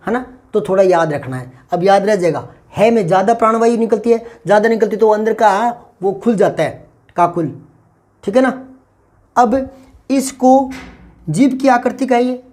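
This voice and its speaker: A man's voice: sits high, a little mellow. An older man with a Rajasthani Hindi accent, teaching a Hindi lesson in an explanatory way, often checking that students follow. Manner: explanatory, repeats and checks understanding. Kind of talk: classroom lesson on phonetics.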